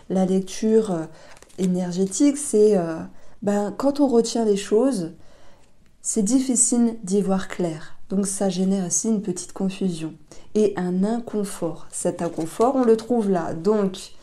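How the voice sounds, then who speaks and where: A woman gives a tarot reading in a gentle, unhurried way, often stopping on fillers and correcting herself. Her voice is very dark and mellow. She sits at a middling pitch for a woman. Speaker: tarot reader.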